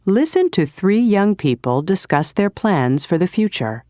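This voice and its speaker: A woman's voice: medium pitch, big pitch swings, dark tone, no echo, clean studio sound. A woman narrating a textbook audio and reading out page and exercise titles. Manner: measured, announcing.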